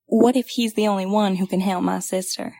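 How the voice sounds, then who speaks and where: A woman's voice: mid-range voice, fairly even intonation, a little fast, gravelly, mellow, lightly acted. A woman playing an earnest, trusting young adventurer in an audio drama. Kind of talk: audio drama character acting.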